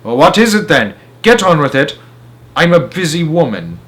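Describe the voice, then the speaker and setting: Guy doing a bossy shouty headmistress for a kids storybook, scornful, pitch jumping all over. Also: big pitch swings, moderate pace. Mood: impatient. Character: bullying, loud, domineering middle-aged headmistress. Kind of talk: children's storybook read-aloud.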